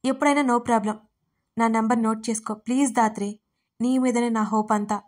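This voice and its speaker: A woman's voice: a little high, steady tone, normal speed, close to an everyday voice. Woman reading a polite pleading young man. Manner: courteous, gently insistent.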